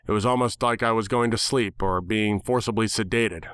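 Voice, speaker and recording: A man's voice: lowish voice, fairly even intonation, moderate pace, a bit bright, smooth, no room sound, studio quality. A man giving a dramatic first-person reading of a story as its narrator. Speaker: narrator of fan fiction.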